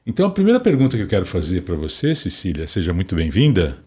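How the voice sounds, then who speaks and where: A man from Brazil hosting a podcast interview, upbeat and lively as he introduces and questions his guest. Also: deep voice, quick pace. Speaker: podcast host.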